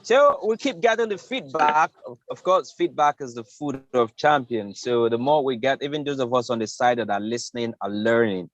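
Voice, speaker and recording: A man's voice: mid-range voice, normal speed, few pauses, dry recording, muffled recording. A man hosting an online club meeting as toastmaster of the day, introducing the evaluators with light remarks. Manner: introduces speakers with light remarks, checks if heard.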